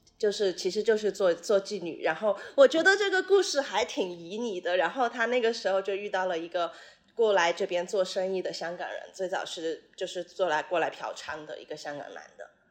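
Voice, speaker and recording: A woman at a medium pitch, speaking at a fairly quick pace with ordinary pitch variation and big swings in loudness, over noticeable background noise. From Chengdu, Sichuan. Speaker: podcast guest. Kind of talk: casual chat.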